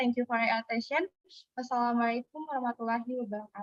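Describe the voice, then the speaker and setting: An Indonesian-accented woman with a high pitch and fairly even intonation, in a dry, close sound with no echo. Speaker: conference presenter. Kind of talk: academic presentation. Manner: halting.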